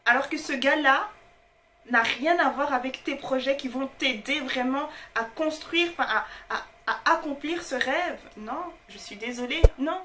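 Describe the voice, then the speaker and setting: Speaking to her viewers, this motivational host, not a native French speaker, repeats key lines in a casual and emphatic style. Her voice sits high with a sharp tone and an unhurried pace, over slight background noise.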